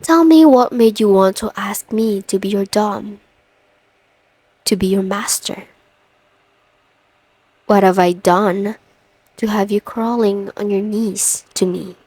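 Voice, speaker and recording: A woman plays a dominant lady boss in an intimate ASMR audio roleplay. She speaks slowly and deliberately, teasing and coaxing with calm command. The sound is dry, with no room around it. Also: medium pitch, slightly rough, no echo. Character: confident, teasing, dominant female boss in a suit.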